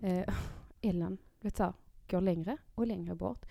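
A woman in her thirties co-hosting a podcast, telling everyday stories in a casual, animated way. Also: fairly low pitch, creaky. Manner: animated storyteller, acts out quotes, laughs often. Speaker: podcast co-host.

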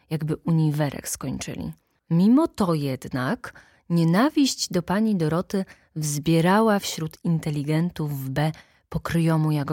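A woman narrates an audiobook in a measured, wry tone. Her voice sits low. The recording is dry and close, with no room sound. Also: warm tone, no echo. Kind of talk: audiobook reading.

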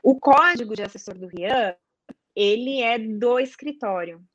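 A woman's voice: a little high, unhurried, no echo, highs cut off. A woman explaining a process step by step in casual chat, often checking in with "tá?" and posing questions to herself. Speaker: guest explaining investment advisor certification.

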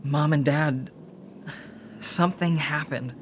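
Audio drama: gentle, shaken younger brother, higher register, hesitant and earnest, faint background noise. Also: male voice, fairly even intonation, slow.

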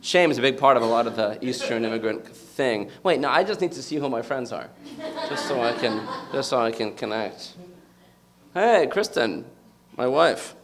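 A man in his thirties from the United States stands before a live audience and gives a personal talk. His voice sits at a middle pitch. He speaks reflectively and often stops to search for the right words. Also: lively intonation, normal speed, a crowd in the background.

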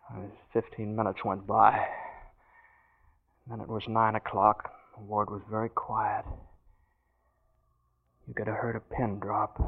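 An actor playing a shell-shocked former prisoner-of-war veteran in a 1940s radio drama, narrating in hard-boiled first person. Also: male voice, fairly low pitch, highs cut off. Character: shell-shocked former POW veteran man, haunted and tense. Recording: old radio broadcast with music.

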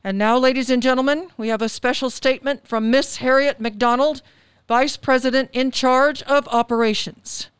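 Actress as high, crystal-clear old newsreel bulletin announcer, female. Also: steady tone, no room sound, close to an everyday voice. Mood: grave, formal. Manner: formal, measured announcing. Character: composed female radio news announcer reading urgent bulletins.

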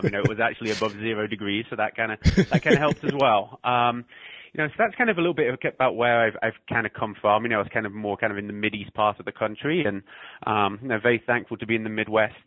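A man's voice: fairly low pitch, steady tone, fast talker, a bit bright, dry recording. A man with an English accent, a head soccer coach chatting in a radio interview, full of fillers and restarts. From England. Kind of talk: phone interview. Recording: tinny phone line.

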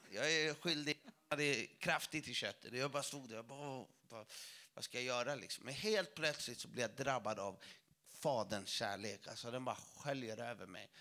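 A man preaching to a church audience, telling a testimony story in a lively way with self-mocking jokes. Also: medium pitch.

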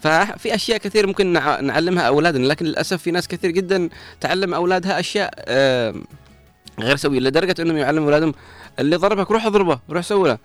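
A man's voice: on the high side, dry recording. A man presenting a morning radio talk, earnest and preachy as he gives moral advice.

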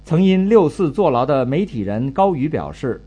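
Husky male reporter with animated delivery. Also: fairly high pitch, moderate pace. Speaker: radio news reporter. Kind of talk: scripted news report narration.

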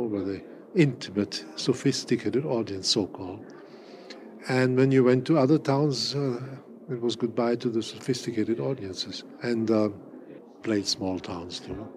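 A man of eighty whose first language is German, answering interview questions in a measured, wry way with frequent fillers and restarts. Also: on the low side, darkish tone, slight background noise. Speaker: interviewee, cabaret artist.

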